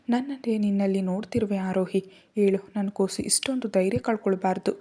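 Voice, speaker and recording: A woman's voice: medium pitch, dark tone, natural voice. A woman reading the part of an older woman who soothes and coaxes a weeping girl, full of endearments. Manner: soothing, coaxing, repeats endearments. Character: tender older motherly woman, comforting.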